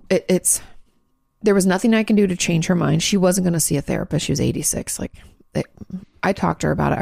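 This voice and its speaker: A congested American woman with a low, gravelly voice hosts a podcast and answers listener questions. She talks frankly and earnestly in a loose, casual way, with plenty of ums and restarts. Her voice is recorded close up and dry, with no room sound. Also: a little mellow, dry recording. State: congested, clearing her throat. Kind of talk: casual advice talk.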